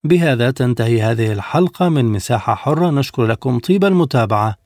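A male broadcast host puts questions in formal Standard Arabic. He talks at a fast clip with a gravelly edge, and the sound is dry and close. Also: mid-range voice, expressive, a little mellow, dry recording. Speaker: radio interview host.

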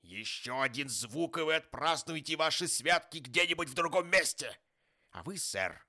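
Man doing a stingy old miser, grumpy, harsh, loud and jumpy, audiobook. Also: fairly low pitch, very animated, a little slow, full character voice. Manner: scornful, harsh and snapping.

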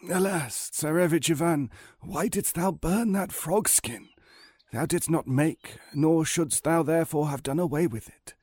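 A man's voice: a little high, measured pace, darkish tone, husky, no room sound, pitched above the performer's own voice. A man voicing a kindly, sorrowful and wise old man in a fairy tale. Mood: regretful advice. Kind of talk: storybook character voice.

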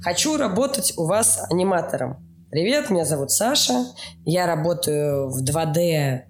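A woman's voice: fairly low pitch, sing-song, normal speed, a little hiss or hum. A woman speaking as an interview guest, explaining things in an informal, emphatic way with mock quotes to illustrate. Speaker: animation studio production executive, interview guest. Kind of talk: explanatory interview talk with acted-out examples.

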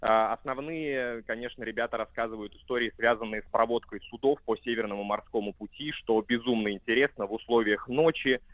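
A man's voice: medium pitch, fairly even intonation, brisk, few pauses, no room sound. Man on a tinny phone line. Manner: fluent, eager, many filler "a" sounds. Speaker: guest on the phone.

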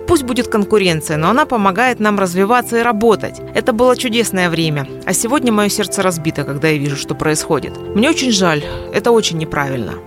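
A woman's voice: fast talker, hardly any pauses, over music. A middle-aged woman from California with an American accent, animatedly telling stories as an interview guest in a language that is not her first. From California, USA. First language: English. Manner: lively, animated storytelling with wide swings in pitch. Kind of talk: podcast interview.

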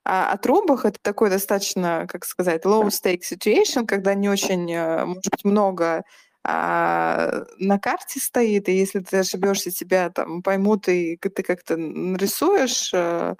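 A woman host leads an interview with attentive questions and keeps up a steady stream of listening murmurs. Her voice is mid-pitched, and the recording is dry and close with almost no room sound. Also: moderate pace, gravelly, no room sound. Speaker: podcast host. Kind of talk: casual interview conversation.

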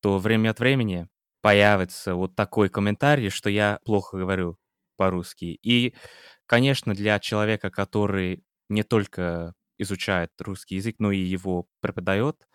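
Brief: English-accented man, smooth clear voice, low-set, halting relaxed chat, dry close mic. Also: no room sound. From England. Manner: hesitant, many pauses and restarts. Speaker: podcast co-host, Russian teacher. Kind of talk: casual chat.

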